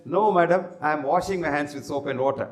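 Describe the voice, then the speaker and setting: Calm, firm Indian judge defending eating by hand, quoted by the speaker. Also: male voice, on the high side, a little fast, faint music behind, close to an everyday voice.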